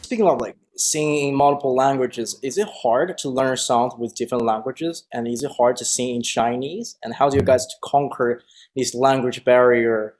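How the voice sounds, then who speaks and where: A man interviews the group with casual, conversational questions. His voice sits at an ordinary middle pitch. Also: steady tone, normal speed, darkish tone.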